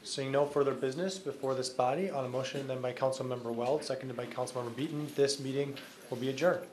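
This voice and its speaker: A middle-aged American man presides over a formal council session. His voice is mid-pitched and procedural, picked up in a chamber with faint background noise. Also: fairly even intonation, quick pace. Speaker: council president chairing a meeting. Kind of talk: formal meeting facilitation. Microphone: desk microphone. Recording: background noise in meeting room.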